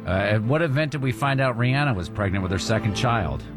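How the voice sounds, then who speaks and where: A man's voice: medium pitch, animated, quick pace. Man, radio host, joking, playful, music underneath. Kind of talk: morning radio banter, quiz host.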